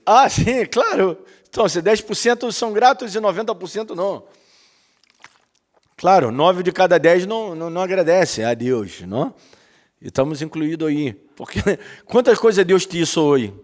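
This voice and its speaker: A man delivers a sermon, sliding freely into words. His voice sits a touch high. He keeps it conversational, ironic asides and constant questioning tags aimed at the listeners. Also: lively intonation, normal speed. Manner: mixes Portuguese and Spanish, ironic asides, rhetorical "não?" tags. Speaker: preacher.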